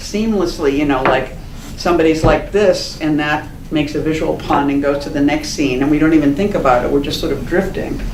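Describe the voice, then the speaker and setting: Fairly quick pace and fairly even intonation, with noticeable background noise and audible room echo. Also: man, fairly high pitch for a man. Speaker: poet and memoirist. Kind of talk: interview at book festival. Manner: halting, many fillers.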